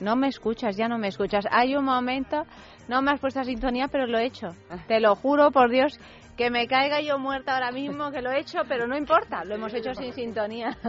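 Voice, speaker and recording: A woman's high voice at a fairly quick pace with ordinary pitch variation. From Italy. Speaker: radio host. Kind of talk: casual chat.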